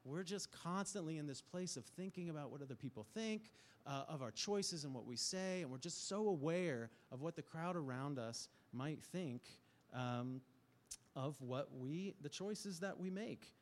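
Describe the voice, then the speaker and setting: A man's voice: on the high side, moderate pace. A middle-aged man giving a conversational sermon as pastor, telling stories with frequent fillers. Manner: storytelling, animated with frequent fillers.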